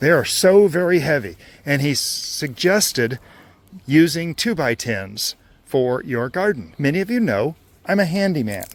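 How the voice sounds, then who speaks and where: Here a man speaks at a fairly slow pace in a fairly high pitch. His pitch swings very widely. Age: 50s. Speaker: gardening channel host. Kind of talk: garden tour tutorial. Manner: animated.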